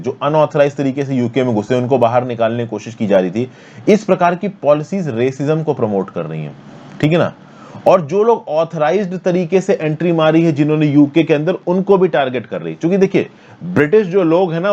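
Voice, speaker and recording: A man's voice: a little high, darkish tone, highs cut off. A man from India teaching an exam-prep lesson on current affairs in casual Hindi mixed with English terms, checking in with his students often. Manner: explains with map, frequent "thik hai na". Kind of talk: exam-prep editorial explainer.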